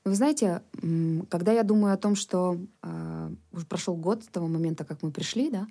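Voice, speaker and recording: A woman's voice: on the low side, moderate pace, dark tone. A woman whose first language is Ukrainian, answering interview questions in an earnest, explanatory way. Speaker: government official, guest.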